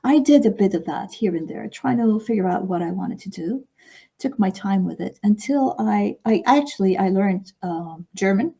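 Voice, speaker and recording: A middle-aged woman whose first language is Arabic talks as a podcast guest. Her voice is husky and mellow. She speaks reflectively, often pausing to ask "okay?". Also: mid-range voice, expressive. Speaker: guest author. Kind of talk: podcast interview.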